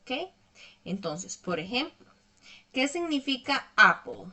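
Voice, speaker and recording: A woman's voice: high voice, sing-song, slow, sharp tone. A woman teaching an online English lesson, explaining patiently step by step and checking in often with her students.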